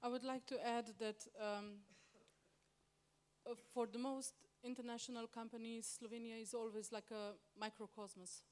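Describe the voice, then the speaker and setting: A woman with a fairly high voice speaks on a business panel. She chooses her words with some care. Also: flat delivery, normal speed, a little mellow. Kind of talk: panel discussion answers.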